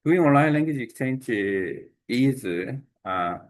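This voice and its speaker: Slow, halting Korean-accented man. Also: mid-range voice, animated. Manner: halting, many fillers and restarts. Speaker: language exchange speaker. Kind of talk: unscripted talk to camera.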